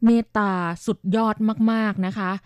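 A woman radio DJ hosting a scripted magazine show, explaining at length in a polite manner with frequent soft polite particles. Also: measured pace, no echo. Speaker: radio DJ and host.

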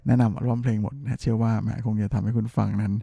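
A man's voice: fairly low pitch, steady tone, racing, creaky, mellow, breathy edge, dry recording. A male radio host chatting playfully about entertainment news, teasing and laughing often. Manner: filler-heavy, chatty delivery.

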